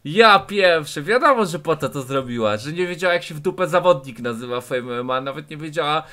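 A man's voice: fairly high pitch, lively intonation, brisk, pushed and bright. A man reacting to a video, mocking it and sounding incredulous. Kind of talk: casual reaction commentary.

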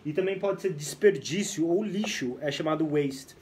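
Lively Brazilian English teacher, man. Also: a little high, moderate pace. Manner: lively, mixes English phrases into Portuguese explanations. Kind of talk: live-streamed English lesson.

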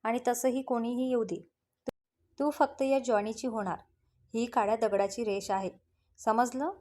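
A woman's voice: a little high, steady tone, unhurried, dark tone, natural voice. Woman doing a bossy mafia man, possessive, curt commands, storybook reading.

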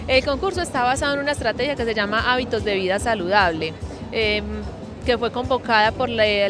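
Young woman, nutritionist; measured, hesitant explanation over a background music bed. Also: on the high side. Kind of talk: news interview. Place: outdoor town square event. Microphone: handheld interview mic.

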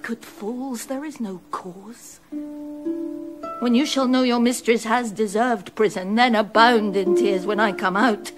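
An actress playing a wronged, dignified queen in a classic verse radio play, with slow, composed grief. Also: on the high side. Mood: sorrowful.

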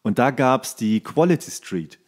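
Male podcast co-host, medium pitch, casual and joking, given to rambling stories. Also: animated, a little slow, slightly rough. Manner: jokey, anecdotal, rambling. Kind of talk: casual comedic banter.

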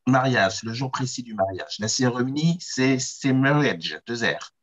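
A man's voice: mid-range voice, lively intonation, measured pace, muffled recording. A man reciting English vocabulary in an online class, hesitant and careful, heard over call audio. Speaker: student.

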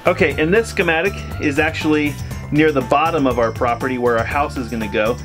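A man's voice: on the high side, a little fast, over music. A man in his thirties walks through his homestead's water system in a casual, step-by-step way, recorded outdoors in the snow by a camera a few feet away. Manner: practical, plainspoken, explains step by step. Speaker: homesteading vlogger. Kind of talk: casual explainer vlog.

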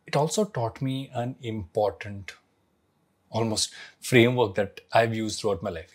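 Man, forties, founder telling his story; husky, lowish voice, reflective and emphatic. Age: 40s. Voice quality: slightly husky, throat clearing. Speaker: founder sharing life lessons. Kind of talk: personal story talk to camera.

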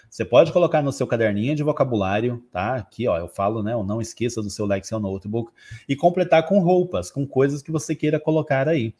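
A man from Brazil teaching an online English lesson, explaining patiently and repeating phrases slowly for practice. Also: mid-range voice, a little mellow, breathy edge.

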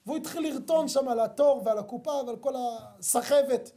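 A man's voice: very high voice, warm tone. A man who is a rabbi, giving an emphatic sermon with stories and rhetorical questions, speaking directly to his listeners. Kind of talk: sermon with storytelling.

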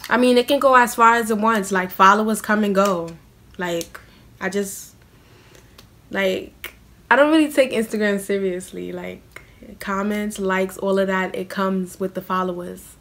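A woman's voice: medium pitch, measured pace, a bit bright. A young American woman talks straight to a close camera in a small room, answering viewer questions. Her delivery is blunt and casual, loaded with slang and "like" fillers, and never sounds rehearsed. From United States. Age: young adult. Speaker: vlogger.

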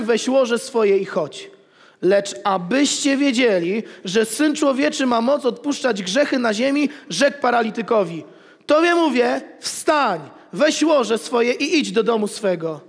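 A man in his thirties, a pastor, preaching an animated sermon with jokes, at a pulpit in a church hall. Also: very high voice. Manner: animated, gestures while preaching, jokes with the congregation. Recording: long reverb of a church hall.

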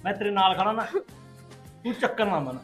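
Fast soothing husband, a man acting. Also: high voice, animated, a bit bright, faint music behind. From Punjab. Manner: soothing, full of promises. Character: remarried husband, soothing and reassuring.

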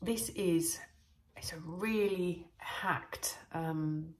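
A woman in her forties with a bunged-up nose, chatting casually and warmly into her phone camera at home and in her car. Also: on the low side, extremely slow, husky. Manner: chatty, chirpy and warm. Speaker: vlogger. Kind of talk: casual daily vlog chat. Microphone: phone camera at arm's length.

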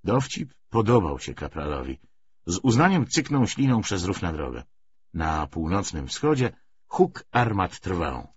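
A man's voice: low-pitched, very animated, measured pace, slightly rough. A man reading a literary novel aloud as an audiobook narrator, on a slightly dull recording.

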